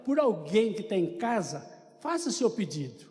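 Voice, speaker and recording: An older Brazilian man tells a church testimony in a chatty, storytelling way, breaking off for little jokes. His voice sits high and sounds mellow and soft-edged. A long church reverb trails after every phrase. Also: very animated, moderate pace. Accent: Brazilian Portuguese. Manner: chatty storytelling with joking asides. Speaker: church member giving testimony. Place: church sanctuary.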